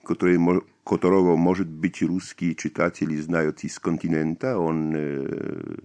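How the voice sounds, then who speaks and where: Interview guest: man, 50s, Polish accent, very low pitch, hesitant. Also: little pitch movement, a little slow, darkish tone. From Poland. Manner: hesitant, many fillers and restarts. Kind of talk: radio interview answers.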